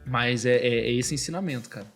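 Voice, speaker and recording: A man in his thirties speaks as a guest on a podcast and tells a personal faith story in a casual, animated way. He talks very fast and keeps dropping the same filler word. His pitch sits in the middle range, and faint music plays underneath. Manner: animated storytelling, constantly says "cara". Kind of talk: casual testimony chat.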